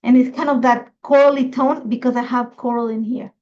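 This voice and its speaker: A woman's voice: fairly high pitch, steady tone, fairly quick, dark tone, highs cut off. A middle-aged woman from Ecuador, chatty and thinking aloud as she hosts a live scrapbooking tutorial. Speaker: craft host.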